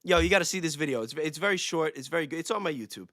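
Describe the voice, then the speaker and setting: A man chatting casually on a livestream as a video creator, excitable, blunt and profane, often repeating himself for emphasis. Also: a little high, rapid-fire, no echo, studio quality. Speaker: online video creator on a panel.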